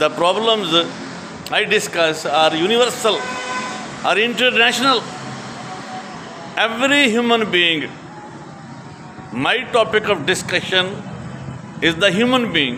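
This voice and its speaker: With long, frequent pauses, a man uses a raised, projected voice of very even loudness, high in pitch with lively intonation, over noticeable background noise. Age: 60s. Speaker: retired professor. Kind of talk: motivational talk. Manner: mixes Urdu-Hindi and English, measured.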